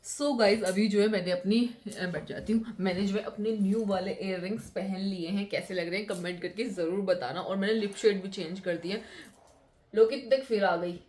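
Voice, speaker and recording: A woman's voice: medium pitch, fairly even intonation, normal speed, a little mellow. A young woman, chatting casually to viewers in a home vlog, repeating words for emphasis. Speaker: vlogger. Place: home, indoors.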